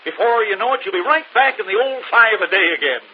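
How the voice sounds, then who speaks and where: An actor playing an aging, boastful vaudeville quick-change artist, in 1940s radio acting. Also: male voice. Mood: coaxing. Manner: boastful, animated, dropping low when glum. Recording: dull old radio recording with faint hiss.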